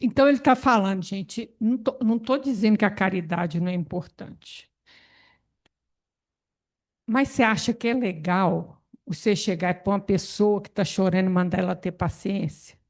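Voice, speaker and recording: A woman, leading a spiritist study group in an animated, expressive way. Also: medium pitch, moderate pace. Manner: animated, expressive, laughs often. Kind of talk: spiritist Bible study talk.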